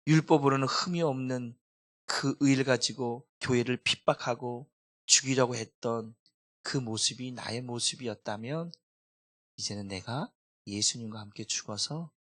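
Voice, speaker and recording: Bright-voiced Korean pastor preaching. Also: male voice, mid-range voice, a little slow. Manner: emotional preaching, swinging between loud cries and soft confession. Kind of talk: sermon.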